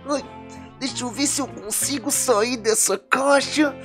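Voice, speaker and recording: A woman's voice: high voice, measured pace, over music. A woman voicing a sensitive, bullied young boy who whines, sniffles and talks to the viewers in a game roleplay story. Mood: whiny. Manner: whiny, tearful, talking to viewers.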